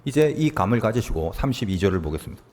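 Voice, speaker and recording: A man's voice: on the low side, big pitch swings, quick pace, a little mellow. A man preaching a sermon as pastor, talking animatedly and acting out quoted lines. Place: church sanctuary. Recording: long reverb of a church hall.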